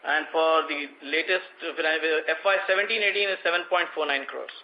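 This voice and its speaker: A man with an Indian accent, a company executive explaining figures point by point in a measured way on a conference call. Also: on the high side, fairly even intonation, a little hiss or hum. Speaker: company executive answering analysts. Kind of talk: earnings conference call answers. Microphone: conference call line. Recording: dull, band-limited conference call audio.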